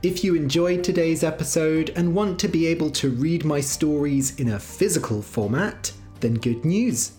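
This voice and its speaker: A man's voice: fairly high pitch, moderate pace, hardly any pauses, music in the background. Sex: man. Role: enthusiastic podcast host. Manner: friendly, enthusiastic, a bit philosophical. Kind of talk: podcast interview and outro.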